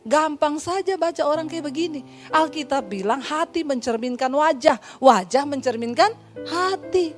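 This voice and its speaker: High-voiced woman pastor preaching. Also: normal speed, soft background music. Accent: Indonesian. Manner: lively storytelling, acts out dialogue, humorous asides. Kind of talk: sermon.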